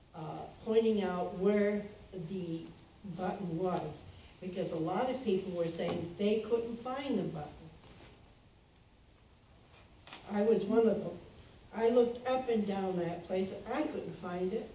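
Against light background noise and audible room echo, a woman speaks at a fairly slow pace with long, frequent pauses and ordinary pitch variation. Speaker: commission member reporting. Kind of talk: meeting report. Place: meeting room. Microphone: camera far.

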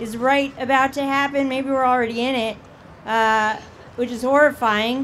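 A woman's voice with music in the background. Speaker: stand-up comedian. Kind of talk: stand-up comedy. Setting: outdoor rooftop stage with live audience. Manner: dry, self-deprecating one-liners. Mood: dry, wry delivery. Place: stage. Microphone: handheld.

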